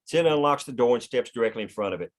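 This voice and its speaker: Guy with a middle-pitched voice narrating script action at a table read. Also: lively intonation, fast talker. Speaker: stage-direction reader.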